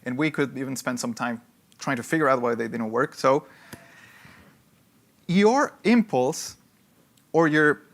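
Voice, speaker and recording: This workshop instructor has a medium-pitched, fairly bright voice. Teaching hands-on before a live audience, he drives home key points with emphasis and repetition, regularly making sure people keep up.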